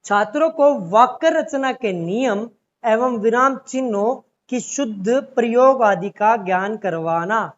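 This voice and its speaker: A man's voice: very high-pitched, lively intonation, takes it slowly, muffled recording. A man teaching an exam-prep language class, explaining step by step and repeatedly calling his students "beta".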